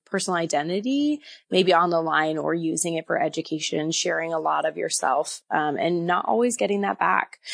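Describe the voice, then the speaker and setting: Against a quiet background, a woman talks at a fairly quick pace in an American accent. Hers is an ordinary speaking voice with a fairly low pitch. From US Midwest, Wisconsin. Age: 20s. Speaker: university program coordinator. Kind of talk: interview.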